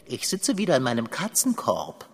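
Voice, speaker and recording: A woman's voice: extremely low pitch, huge pitch swings, normal speed, husky, exaggerated voice. A woman voicing a fussy, bookish black tomcat who complains dramatically and gets airsick. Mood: whiny. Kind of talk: children's audio play narration in character.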